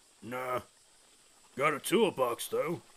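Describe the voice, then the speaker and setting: A man puts on a raspy character voice. His pitch sits in the medium range. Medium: audio drama.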